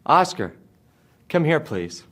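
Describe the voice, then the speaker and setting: Very slow, lively-voiced male teacher. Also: fairly high pitch. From United States. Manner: slow and deliberate, repeats words for the class. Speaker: English teacher. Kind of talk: slow classroom drill.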